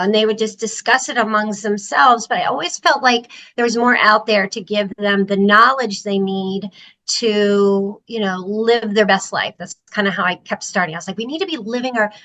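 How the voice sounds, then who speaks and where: On a rough video-call recording from Costa Rica, a woman from Maryland, USA chats enthusiastically as a podcast guest in a casual interview, using fillers. Her medium-pitched voice is bright and forceful.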